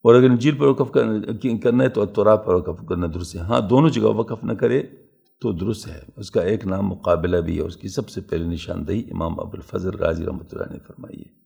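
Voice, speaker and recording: A man's voice: low-pitched, creaky, warm tone, husky. A man giving a patient, methodical religious lesson, explaining step by step with everyday examples. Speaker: religious teacher.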